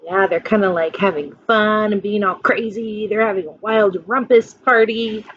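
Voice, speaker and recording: A woman teacher reading a picture book aloud to children, expressive and dramatic, with drawn-out phrases. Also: medium pitch, highs cut off. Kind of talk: expressive picture-book read-aloud with questions to young listeners.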